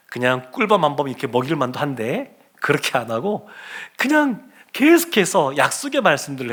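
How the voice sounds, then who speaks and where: Animated Korean pastor preaching a sermon. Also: male voice, on the high side. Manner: animated preaching, acting out quoted speech. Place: church sanctuary.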